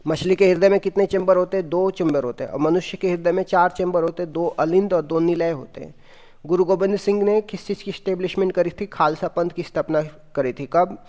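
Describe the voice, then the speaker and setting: A man with a somewhat high voice runs an exam-prep quiz lesson. He asks each question and answers it himself. His voice carries a long hall reverb. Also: fairly quick, a little mellow. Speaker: teacher.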